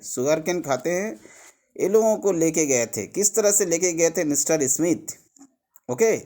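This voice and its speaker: Slow-paced teacher explaining a workbook. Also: male voice, fairly high pitch, darkish tone. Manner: mixes Hindi and English, explains step by step.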